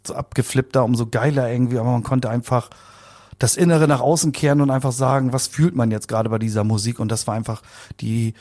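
A man's voice: mid-range voice, steady tone, fast, darkish tone. A man of about fifty being interviewed, talking in a casual, rambling, colloquial way and often repeating words. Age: around 50. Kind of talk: casual conversational recollection.

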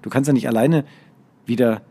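A man's voice: medium pitch, brisk, mellow, slightly rough. A man co-hosting a podcast, bantering and teasing in casual chat while sitting outdoors. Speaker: podcast co-host.

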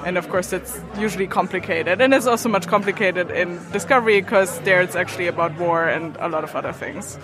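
A woman's voice: lowish voice, a little fast, few pauses, a crowd in the background. A woman scholar giving casual interview answers, speaking up over the noise of a busy event. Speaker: science fiction scholar interviewed. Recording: noisy event with traffic sounds. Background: noisy evening event, city sounds.

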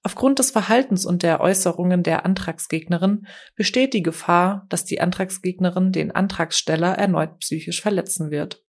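A woman narrating a novel as an audiobook, reading in a steady, measured way. Her voice sits a little lower than most women's. The delivery is smooth and even. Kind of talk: scripted narration.

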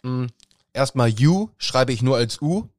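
A man's voice: mid-range voice, lively intonation, a little slow, darkish tone, dry recording, clean studio sound. A young man, a student facing exams, co-hosting a casual podcast and often laughing through his words. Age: young adult. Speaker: podcast co-host. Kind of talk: casual chat.

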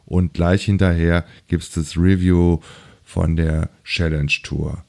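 Man, golf show host, very low voice, dark relaxed tone, hesitant results report. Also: slow pace, creaky.

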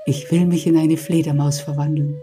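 A woman voicing a weary, timid old rat in a told fairy tale, fretting slowly over what to become. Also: low voice, level tone, over music, natural voice. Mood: fretful.

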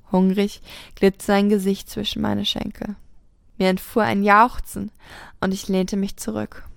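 Woman reading a spicy story out loud, bit of vocal fry, dry close sound. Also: mid-range voice, no room sound. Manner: steady first-person reading. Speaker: podcast host reading a story. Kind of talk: reading an erotic story aloud.

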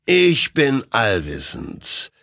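A man voicing an all-knowing ghostly rider of death, speaking in a slow, drawn-out, menacing way with a gravelly voice. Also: medium pitch, wildly swooping pitch, a bit bright, no echo, clean studio sound, pitched above the performer's own voice, heavily acted. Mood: slow menace.

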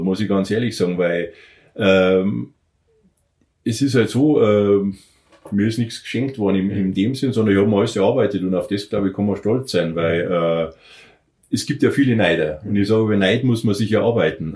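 A man's voice: fairly low pitch, darkish tone, echoey room. A man with a Bavarian accent, a podcast guest talking casually with many fillers and restarts. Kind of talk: casual interview talk.

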